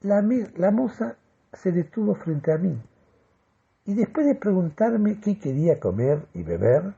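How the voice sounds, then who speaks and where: An actor playing a euphoric, deluded man who solemnly delivers a grandiloquent radio monologue with deliberate, dramatic pauses. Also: high voice, creaky, mellow, breathy edge, dull audio, exaggerated voice. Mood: earnest, deluded. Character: euphoric, deluded man convinced of mystical energy communication. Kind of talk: theatrical first-person radio monologue.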